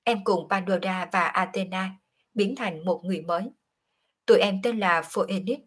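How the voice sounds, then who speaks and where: A woman reading a calm, confiding young woman. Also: medium pitch, normal speed, husky, natural voice. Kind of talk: audiobook character reading.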